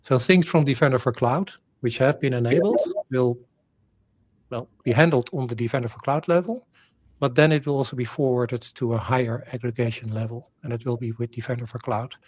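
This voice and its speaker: A man's voice: mid-range voice, fairly quick, darkish tone, dry recording, muffled recording. A man whose native language is Dutch, giving a technical presentation, explaining with rhetorical questions, fillers and restarts.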